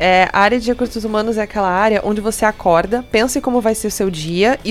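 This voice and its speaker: A woman with a fairly high voice and ordinary pitch variation, over noticeable background noise. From Rio Grande do Sul, Brazil (Porto Alegre). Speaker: HR professional, former engineer. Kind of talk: podcast interview.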